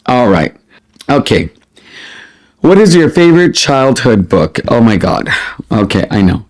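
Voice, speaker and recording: A middle-aged man chatting casually as a vlogger, expressive and prone to wandering off on tangents as he answers questions. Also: mid-range voice, a little slow. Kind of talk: casual chat to camera, answering listed questions.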